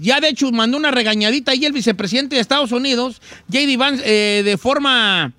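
A chatty old Mexican ranchero, as a man puts him on, rattling off the news in a high, bright voice full of slang and restarts. The sound is close and dry. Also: dry recording. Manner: folksy, slangy, stumbling over words. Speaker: comic news host. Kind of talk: comic news banter.

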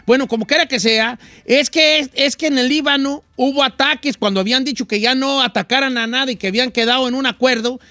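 A man's voice: very high-pitched, quick pace, hardly any pauses, pushed and bright, no room sound, studio quality. A Mexican man hosting a comic news chat, joking in slang with many restarts. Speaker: news show host.

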